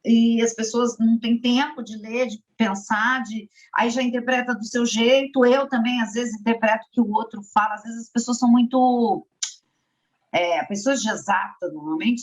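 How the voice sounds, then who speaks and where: Chatty, expressive woman. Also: a little high, muffled recording. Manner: expressive, self-described exaggerated, chatty. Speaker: study group participant. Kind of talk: casual group discussion.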